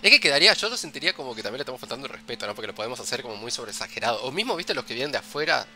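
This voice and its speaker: An Argentine man with a Rioplatense accent co-hosts a casual podcast in a loose, joking tone. His voice is strikingly bright and sharp, and a soft bed of music plays faintly behind him. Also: mid-range voice, big pitch swings, rapid-fire. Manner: loose, joking, peppers talk with "viste". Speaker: podcast co-host. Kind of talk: casual chat.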